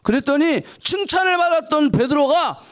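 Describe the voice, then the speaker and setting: A woman's voice: sits high, expressive, moderate pace. A woman pastor preaching a sermon in a church, speaking in a colloquial, dramatic way and mixing in English words. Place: church sanctuary.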